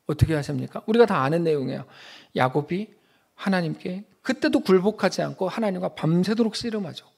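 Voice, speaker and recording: Man, pastor, sermon, emphatic, rhetorical questions, high voice. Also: expressive, brisk, creaky, husky.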